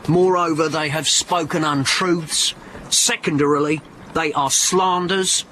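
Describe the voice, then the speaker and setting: An actor playing a self-important, muddled constable in a stage comedy. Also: male voice, fairly high pitch, fairly even intonation, pushed and bright, slight background noise, poor audio. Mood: pompous. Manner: slow, pompous, muddled speechifying. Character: pompous bumbling male constable, self-important.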